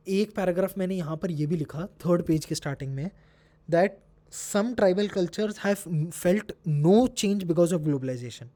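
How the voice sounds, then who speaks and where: A young man with an Indian English accent gives a post-exam discussion lecture. He sounds a little hoarse and tired, and he explains points while switching between English and Hindi. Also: fairly high pitch, dark tone. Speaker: exam tutor.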